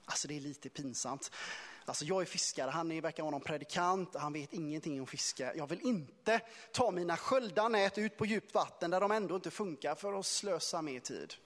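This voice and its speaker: A man's voice: a little high, animated, a bit bright, big-room sound. A man voicing a weary, reluctant adult fisherman who complains about his work. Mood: grumbling.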